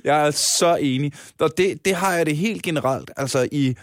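A man's voice: fairly high pitch, dry recording. Hesitant man in dry podcast chat. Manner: hesitant, many fillers and restarts. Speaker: podcast co-host. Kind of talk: casual chat about video games.

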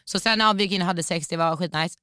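A young woman in her twenties, podcast co-host, telling a story in casual chat with lively delivery and bits of English slang. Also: on the low side, smooth, no echo, studio quality.

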